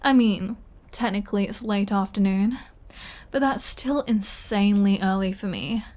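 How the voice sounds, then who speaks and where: A woman acting as a flirty vampire who takes her time with every line. She is teasing and dryly sardonic, with a bossy streak, at a middling feminine pitch. The style is close, intimate ASMR roleplay drama. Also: darkish tone, close to an everyday voice. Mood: teasing, smug. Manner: playful, teasing, dry, bossy.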